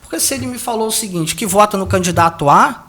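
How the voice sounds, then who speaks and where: High-voiced man explaining polling. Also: fast talker, sharp tone. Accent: Brazilian Portuguese. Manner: explains at length, with many restarts and tag questions. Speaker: political analyst and pollster. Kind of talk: explanatory interview answers.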